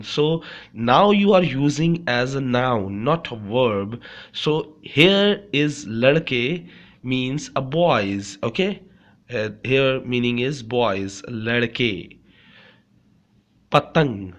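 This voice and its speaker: A man's voice: medium pitch, fairly bright tone, dull audio. A man with a South Asian accent, a native Urdu speaker, teaches beginners phrase by phrase, repeating himself and often checking that listeners follow. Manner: repetitive, frequently checking understanding with "okay". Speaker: language teacher. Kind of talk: beginner language lesson, explaining phrase by phrase.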